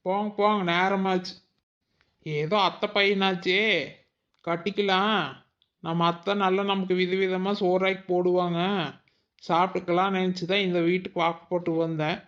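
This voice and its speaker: A man playing a teasing, sharp-tongued young village wife in a cartoon. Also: sits high, little pitch movement, normal speed, long pauses, dull audio. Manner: teasing, cheeky. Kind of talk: cartoon voice acting.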